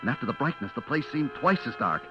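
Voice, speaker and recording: A man's voice: mid-range voice, very animated, fast talker, muffled recording, lightly acted. An actor playing a nervous, cornered man who tells his own story in clipped, confessional old-time radio suspense style. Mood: uneasy. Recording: vintage radio recording with music behind.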